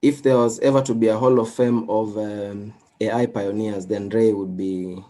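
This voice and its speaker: A man whose first language is Swahili, giving a recorded lecture with slides in an unhurried way, with many fillers and restarts. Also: lowish voice, fairly even intonation, dark tone.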